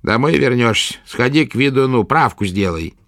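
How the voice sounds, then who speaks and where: Creaky old witch, as a man puts her on. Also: mid-range voice, lively intonation, fairly bright tone, no echo, studio quality. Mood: gruff. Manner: scornful, creaky, drawn-out. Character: spiteful old female forest witch.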